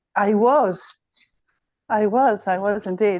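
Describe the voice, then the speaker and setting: A woman speaks at a medium pitch and a fairly slow pace. Her intonation stays fairly even against a quiet background. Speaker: storyteller. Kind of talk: casual chat.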